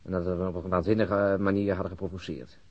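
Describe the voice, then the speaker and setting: Weary, sardonic male detective for radio crime play; low, husky, argumentative, on muffled lo-fi audio. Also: little pitch movement, fast talker. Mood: insistent, argumentative. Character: cynical, weary, outspoken male police detective. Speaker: actor in a radio crime drama. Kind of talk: Dutch-language radio play acting.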